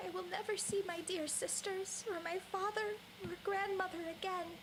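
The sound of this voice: Over loud background noise, a woman uses a put-on character voice, extremely high and shaky, at a moderate pace and very even loudness.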